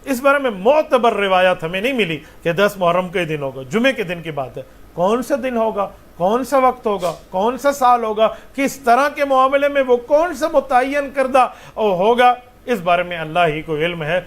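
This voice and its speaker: A man's voice: high-pitched, lively intonation, moderate pace. A man, a mufti answering religious questions with patient explanations and rhetorical questions.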